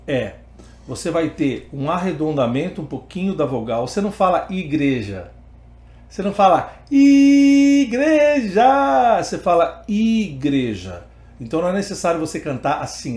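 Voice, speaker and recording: A man's voice: on the high side, darkish tone, reverberant. A man with a Brazilian Portuguese accent teaching an online singing lesson, explaining step by step between sung vowel demonstrations. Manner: explains step by step, then sings vowel examples.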